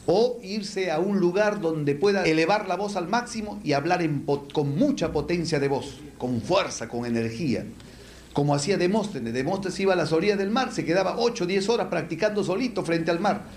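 A man teaches public speaking to a room full of people. His voice sits fairly high, and he asks himself questions before answering them in crisp lists. The hall gives his voice a noticeable echo. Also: a little mellow, a little hiss or hum. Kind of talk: lecture to a live audience. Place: lecture hall with an audience. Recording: echoey room.

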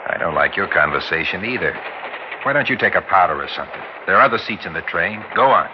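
Deep-voiced, cocky businessman. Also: lively intonation, fast. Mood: irritated. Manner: cocky, restless, slangy. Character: brash, impatient, slick male businessman from New York. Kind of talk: old broadcast drama acting. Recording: muffled, noisy old drama soundtrack.

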